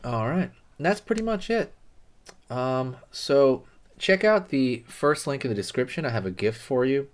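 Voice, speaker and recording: A man's voice: medium pitch, lively intonation, measured pace. A man hosting a casual drawing tutorial, talking loosely with lots of fillers and friendly asides while he draws.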